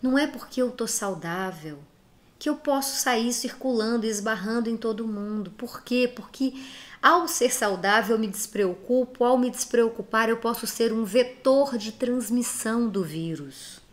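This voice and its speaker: A woman's voice: a little high, normal speed. Earnest Brazilian woman talking directly to listeners. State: has a cold. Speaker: speaker giving reflections to followers. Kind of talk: direct-address motivational talk.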